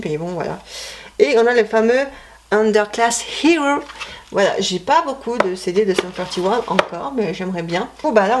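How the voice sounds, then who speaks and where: A woman's voice: a little high, slight background noise. Chatty rambling woman vlogger. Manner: chatty, rambling, self-correcting with many fillers. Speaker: vlogger showing her CD collection. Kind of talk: casual chat.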